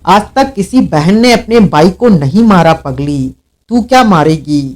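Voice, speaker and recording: Man doing a snarling outlaw, vengeful, hot-tempered, high voice, slow heavy delivery, audiobook. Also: animated. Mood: taunting. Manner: shouting, snarling threats. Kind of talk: audiobook character reading.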